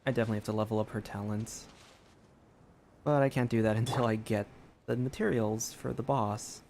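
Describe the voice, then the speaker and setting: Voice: mid-range voice, steady tone, a little fast, darkish tone, a little hiss or hum. A game streamer giving casual, muttered playthrough commentary and reactions.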